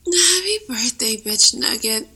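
A woman's voice: fairly high pitch, animated, a little slow, pushed and bright, slightly rough, exaggerated voice. A woman playing a blunt, cheeky young woman who sounds breathless and sleepy. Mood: drowsy. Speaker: lover in an audio drama. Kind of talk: adult audio roleplay.

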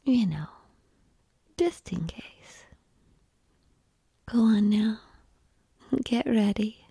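A woman whispering softly and calmly in an ASMR roleplay, coaxing the listener through slow breathing, close to the microphone. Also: mid-range voice, gravelly, breathy edge, dry recording. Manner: soft unvoiced whispering; calm, coaxing breathing guidance.

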